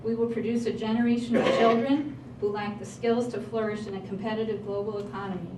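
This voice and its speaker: A woman's voice: mid-range voice, fairly even intonation, quick pace. A woman reading a prepared statement at a public hearing in an earnest, pleading manner. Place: large hall at a public hearing. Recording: roomy hall, voice from a distance, faint noise.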